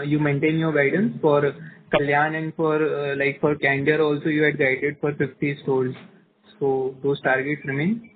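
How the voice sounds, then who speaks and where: A man speaks in a flat, slightly high voice as he politely asks analyst questions. He comes through a thin telephone line. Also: slight background noise. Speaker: investment analyst asking questions. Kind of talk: polite, halting questioning on a call. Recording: narrow phone line.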